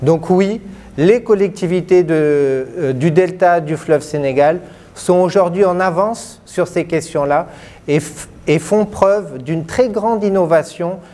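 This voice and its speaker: A man giving a formal interview statement in a measured, earnest way, as a development partner. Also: on the high side, dark tone.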